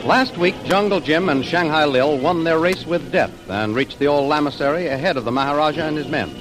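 A man's voice: fairly high pitch, a little fast, rough recording. A man announcing and narrating an old radio serial in a formal, declamatory way. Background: music.

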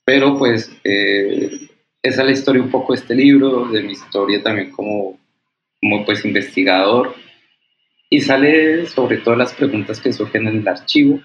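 A man, a historian and author, giving reflective interview answers with many fillers and restarts, often checking in with a quick question. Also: on the low side, fairly bright tone, reverberant, muffled recording.

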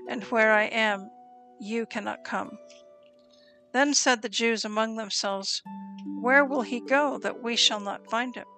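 A woman reads scripture aloud in a slow, solemn and measured way, pausing between phrases. Her voice sits a little high and carries a gravelly fry. Soft instrumental music plays faintly behind her. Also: poor audio. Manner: solemn, even reading pace with deliberate pauses. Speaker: scripture reader.

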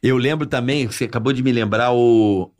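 A man's voice: medium pitch, brisk, a little mellow. A middle-aged man hosting with loose comic banter and sponsor reads, talking in informal street slang and swearing casually. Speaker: talk show host reading sponsor spots.

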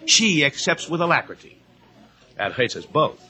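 A man's voice: a little high, sing-song, normal speed, sharp tone, full character voice. A man playing a brash, needling comedian and schemer in a 1950s radio drama, wisecracking and pushy, repeating himself. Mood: sarcastic, jealous.

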